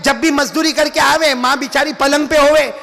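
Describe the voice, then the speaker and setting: Shouting high-voiced male preacher in a hall. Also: fairly even intonation, normal speed, creaky. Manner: call-and-response, urging the crowd to repeat; swings between shouting and hushed low lines. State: tired. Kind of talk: religious sermon. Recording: long hall reverb.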